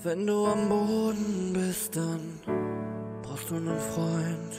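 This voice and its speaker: A woman singing a slow, soft closing song. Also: fairly low pitch, level tone, over loud music.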